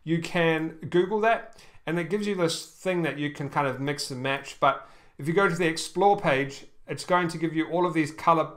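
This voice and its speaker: This man goes through an online store via screen share, sounding casual and hesitant with many ums and restarts. He keeps asking "okay?" in a voice that's a little high and fairly bright.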